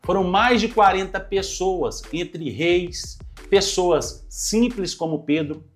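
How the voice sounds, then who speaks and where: Pastor, slightly high male voice, earnest Bible lesson over soft music. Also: slow pace. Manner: earnest teaching, addresses listeners as brothers. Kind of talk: Bible study teaching. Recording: light music underneath.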